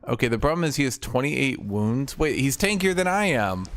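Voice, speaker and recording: A man's voice: medium pitch, big pitch swings, moderate pace, a bit bright. A man streaming a game with casual live commentary, griping and swearing in exasperation. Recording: game music behind the voice. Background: video game music.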